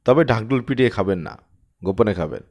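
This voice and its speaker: A man's voice: lowish voice, expressive, brisk, darkish tone. A man voicing a stern, sarcastic male headmaster who scolds coldly and curtly in an audiobook story. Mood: sarcastic, grave. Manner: cold, curt, scolding.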